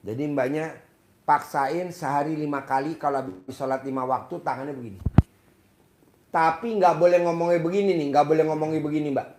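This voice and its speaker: A man's voice: on the high side, a little fast, darkish tone, a little hiss or hum. A man in a casual counseling talk, speaking directly to a woman and acting out sample prayers. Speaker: spiritual advisor. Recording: echoey room.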